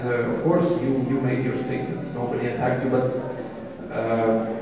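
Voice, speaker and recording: A man answering on a discussion panel, hesitant and full of restarts. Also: mid-range voice. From Georgia. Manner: hesitant, many restarts and fillers. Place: large conference hall. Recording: echoey hall, distant mic, audience.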